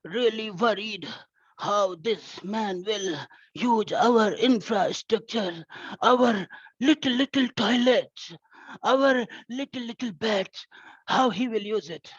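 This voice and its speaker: A woman voicing a worried elderly dwarf man in a tall tale, fretting in drawn-out, repeated phrases. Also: fairly high pitch, breathy edge, no echo, highs cut off.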